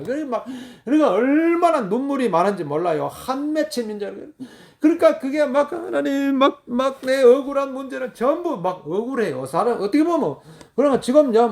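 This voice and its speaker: A man's voice: high-pitched, a little mellow. A male pastor preaching a sermon in an emphatic, rambling way, full of fillers, and bursting into wailing prayers as he quotes them.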